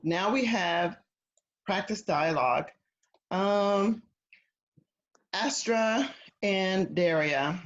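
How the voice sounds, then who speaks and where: A woman's voice: medium pitch, extremely slow, long pauses. A woman teaching an English conversation class over a video call, patient and encouraging. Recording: dull lo-fi video call audio.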